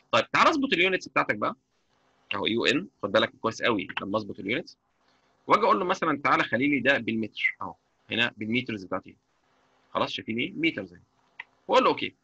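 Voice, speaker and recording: A man with an Egyptian Arabic accent teaching a live online software lecture, chatty and constantly checking that his students follow. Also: medium pitch, sing-song, racing, creaky, pauses often, husky, no room sound. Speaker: software instructor. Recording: dull lo-fi mic.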